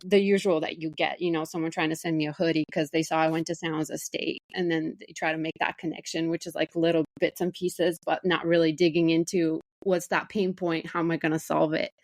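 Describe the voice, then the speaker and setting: A woman's voice: sits low, level tone, fairly quick, few pauses, no room sound. A woman in her forties from Bulgaria, talking casually and thoughtfully as an interview guest, with some fillers and restarts. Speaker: guest, marketing director.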